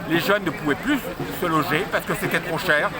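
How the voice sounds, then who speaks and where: A man's fairly quick, lively delivery over crowd noise in the background. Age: 60s. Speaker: protester interviewed at a rally. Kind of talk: street interview, casual talk.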